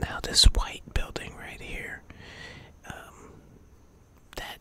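A relaxed whisper with an American accent. The pace is fairly slow. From New Orleans, Louisiana, USA. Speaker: local tour guide of his own city. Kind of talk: casual talk to camera, guided tour narration. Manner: soft-spoken, relaxed. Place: street. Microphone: phone near.

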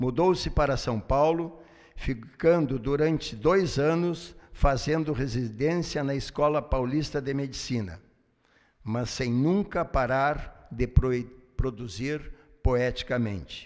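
Everything behind the speaker is quiet. A man talks very slowly. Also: fairly high pitch for a man, ordinary pitch variation. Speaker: city councillor. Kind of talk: formal ceremonial speech. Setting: council chamber with audience. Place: hall. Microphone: podium.

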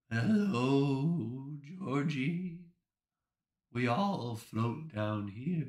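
Using a put-on character voice at a medium pitch, a man talks at a very slow pace. There are long, frequent pauses and audible echo. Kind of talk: taunting. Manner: sinister, playful.

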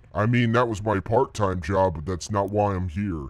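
A put-on character voice comes at a moderate pace over a quiet background. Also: man, fairly low pitch for a man. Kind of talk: comedic parody dialogue. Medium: dub.

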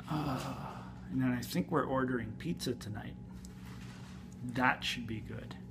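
A man speaks with music in the background. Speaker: vlogger. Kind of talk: casual vlog chat. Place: home room. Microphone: phone near.

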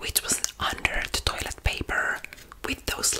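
Here a woman is whispering. She goes at a fairly slow pace. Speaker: ASMR creator. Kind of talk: ASMR rambling story to camera. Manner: soft, casual, chatty, rambling. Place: home room. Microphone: earbuds.

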